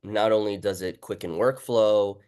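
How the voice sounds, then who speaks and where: Low-voiced man hosting a casual interview. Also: fairly even intonation, moderate pace, a little mellow, smooth. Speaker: host and book author.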